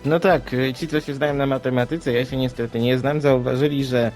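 Man, mid-pitched, conversational podcast co-host with halting phrasing; faint music underneath. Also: steady tone, a little mellow. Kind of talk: conversational discussion of news reports. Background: background music.

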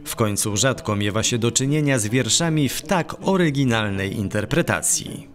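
A man reading scripted news narration in a measured, formal way. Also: medium pitch, expressive. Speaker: news reporter. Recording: voice-over with faint music.

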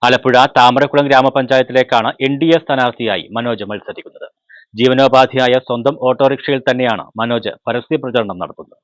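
A man's voice: mid-range voice, brisk, no room sound. Dry-sounding male news narrator.

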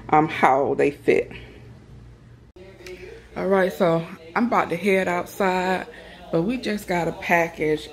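A middle-aged woman with a low, darkish voice chats informally with her viewers as a home lifestyle vlogger, addressing them directly. She's filmed indoors in a house on a handheld camera, and the home recording is clearly noisy with clicks.

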